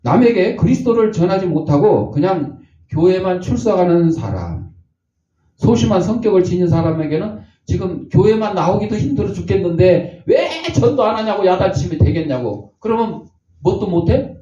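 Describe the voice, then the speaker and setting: A man's voice: high-pitched, sing-song, moderate pace, dark tone. An older man preaching a sermon as pastor, telling folksy stories and acting out the voices of the people in them. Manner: folksy storytelling, acts out voices. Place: church sanctuary. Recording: echoey, distant, dull church recording.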